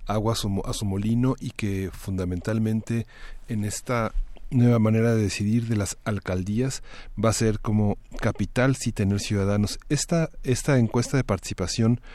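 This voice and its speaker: A man hosting a radio talk show, speaking in measured, halting phrases. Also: lowish voice, steady tone, darkish tone, no room sound.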